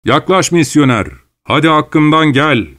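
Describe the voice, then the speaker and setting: A man's voice: a little high, normal speed, pitched above the performer's own voice, close to an everyday voice. A man narrating a story voices a proud, threatening male tribal chief, slightly raised and boastful. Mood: taunting.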